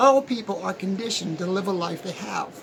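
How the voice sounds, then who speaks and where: High-pitched male speech with typical pitch movement. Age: 70s. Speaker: motivational YouTuber and author. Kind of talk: motivational talk to camera. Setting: hot room at home, windows open. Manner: stuttering and slurring words; animated.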